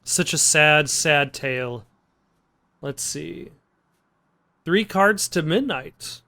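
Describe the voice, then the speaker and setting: A man's voice: fairly high pitch, lively intonation, very slow, pushed and bright. A man hosting a casual gameplay commentary with dry, joking asides. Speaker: gameplay host. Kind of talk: casual let's play commentary. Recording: game music behind the voice.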